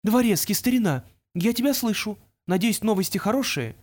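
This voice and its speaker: A cool, clever young man who speaks in crisp, clipped lines, voiced by a male narrator. He sits noticeably higher than the narration. The delivery is firm and quick to cut others off. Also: animated, a little mellow. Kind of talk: audiobook character voice.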